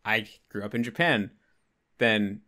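Man, twenties, American accent, slightly low pitch, casual interview host, conversational. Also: unhurried, pushed and bright. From United States. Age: 20s. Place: bedroom at home.

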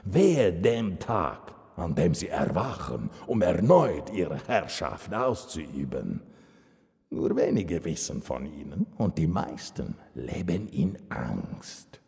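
An actor playing an ominous narrator who warns of ancient gods in a dramatic horror audio drama prologue, with a gravelly voice. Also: male voice, deep voice, big pitch swings, slow, darkish tone, full character voice. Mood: ominous, foreboding. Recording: long cavernous reverb.

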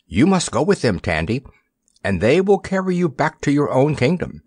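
A man voicing a huge, gentle female beast who is earnest and protective, in a storybook reading. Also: fairly high pitch, very animated, moderate pace, breathy edge, no echo, clean studio sound, voice pushed up.

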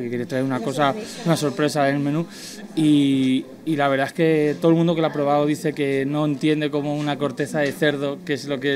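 A man in his thirties, a chef being interviewed in a restaurant dining room, talking in a halting way with restarts, into a handheld mic. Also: a little high. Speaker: guest chef. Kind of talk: casual interview.

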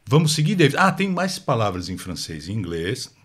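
A man with a São Paulo Portuguese accent hosting a language podcast in a lively, chatty way. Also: mid-range voice, normal speed. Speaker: host. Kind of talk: casual chat.

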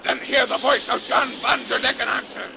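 An actor playing a defiant, blasphemous sea captain in 1930s radio melodrama, declaiming theatrically in archaic speech. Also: male voice, extremely high pitch, steady tone, normal speed, creaky, full character voice. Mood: defiant rage. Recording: noisy 1930s radio recording.

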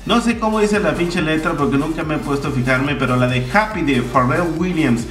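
This twenty-something YouTuber with a Mexican accent speaks fairly quickly in a fairly high, bright voice, casual and slangy with some swearing. The sound is echoey, as he's recorded by a far-off mic in a home room with a tiled floor, faint music playing.

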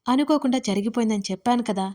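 Woman reading harsh commanding young husband for audio storybook, sharp scolding questions, fairly high voice. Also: quick pace, close to an everyday voice. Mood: angry, demanding.

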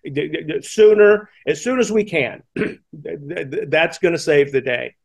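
Older american guy in his 60s, kinda higher voice, emphatic explainer, restarts words a lot, video call. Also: animated, creaky. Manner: emphatic, halting with repeated word starts. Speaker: fire command instructor and podcast guest. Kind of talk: explanatory interview talk. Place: indoor room, on a video call. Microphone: headset boom mic.

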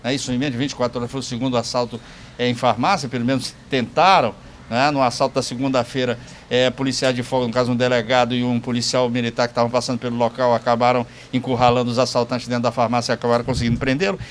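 A man's voice: medium pitch, level tone, very fast. A man working as a news reporter, speaking informally and often seeking agreement. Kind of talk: live crime news report and interview. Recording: clear street ambience noise.

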